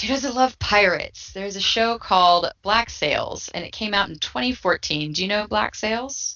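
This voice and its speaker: With an ordinary speaking voice, a woman at medium pitch talks at a fairly slow pace using lively intonation. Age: 30s. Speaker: podcast co-host. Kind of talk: casual chat.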